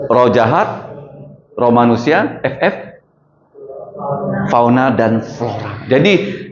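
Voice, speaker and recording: Man, Sunday school teacher, lively pitch, roomy lo-fi recording, quizzes kids. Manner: asks the class many questions, animated storytelling. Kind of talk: Bible lesson for children. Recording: roomy, dull lo-fi sound.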